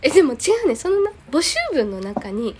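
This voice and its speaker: A woman's voice: fairly high pitch, a little fast, a crowd in the background. A woman with a Kansai accent, chatting casually on a podcast and telling a story with lots of energy, acting out the lines of the people in it. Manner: animated storytelling, acts out quoted lines. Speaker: podcast co-host. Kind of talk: casual chat. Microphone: remote recording.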